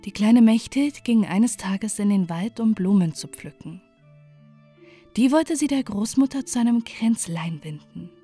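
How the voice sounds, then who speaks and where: A woman calmly reading a bedtime fairy tale in a gentle, soothing way. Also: mid-range voice, faint music behind. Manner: slow, soothing, gentle delivery. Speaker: storyteller.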